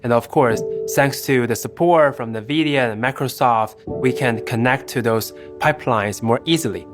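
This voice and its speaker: A man with a mid-pitched voice speaks as a technical lead in a corporate promo interview. He explains step by step in a methodical way. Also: moderate pace, music in the background. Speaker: head of AI at a tech company.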